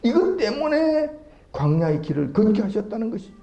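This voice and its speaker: A man preaching a sermon with a warm, mellow voice. His delivery is emphatic, rising sharply on rhetorical questions. The recording carries a roomy echo. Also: high-pitched, sing-song, normal speed, vocal fry, dull audio.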